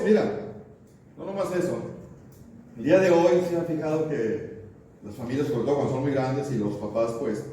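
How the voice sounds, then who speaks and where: A man's voice: medium pitch, dark tone, a little hiss or hum. A middle-aged man preaching a sermon, folksy and anecdotal, often asking the congregation rhetorical questions. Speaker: pastor. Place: church sanctuary. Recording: echoey church room, mic at a distance, faint ambience.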